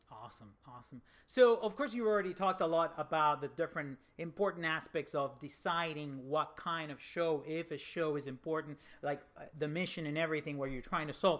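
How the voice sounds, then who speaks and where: Speaking at a fairly quick pace in an Italian accent, a man shows big swings in loudness. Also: fairly high pitch for a man, ordinary pitch variation. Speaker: podcast host. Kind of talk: interview chat. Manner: loud, excitable.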